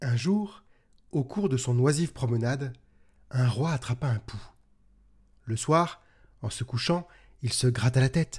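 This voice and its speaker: On a very clean recording with a silent background, a somewhat breathy man speaks at a medium pitch and a fairly slow pace, with ordinary pitch variation and long, frequent pauses. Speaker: storyteller. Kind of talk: storytelling, reading a folk tale aloud. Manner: animated, playful; measured, expressive, voicing characters.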